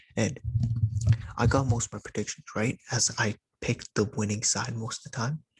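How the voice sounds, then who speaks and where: A soft-spoken man talks at a moderate pace with vocal fry. The sound is dry and close, with no echo. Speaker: sports podcast host. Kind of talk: solo podcast commentary. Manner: quiet, soft-spoken.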